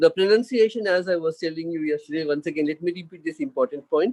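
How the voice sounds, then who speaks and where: Speaking in an Indian accent, a man has a high pitch and lively intonation. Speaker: English language professor. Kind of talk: lecture.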